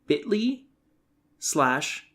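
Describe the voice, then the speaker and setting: A man's voice: a little high, big pitch swings, extremely slow, sharp tone. Instructional man narrating a self-help audiobook. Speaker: author reading own audiobook.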